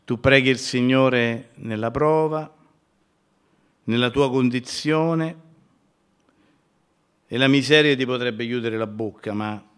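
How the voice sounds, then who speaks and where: A man preaching a sermon, who builds from calm teaching to loud, impassioned shouting as he addresses the congregation as brothers. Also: medium pitch, slow, pauses often, clean tone.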